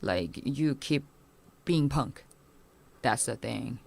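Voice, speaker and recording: A woman in her thirties who speaks English with Korean as her first language, talking as a punk musician guest in a casual interview, halting, with many fillers and restarts. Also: rumbling low, lively intonation, creaky.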